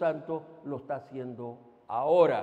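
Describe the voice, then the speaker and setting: A man speaks at a fairly slow pace. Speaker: pastor. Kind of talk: sermon.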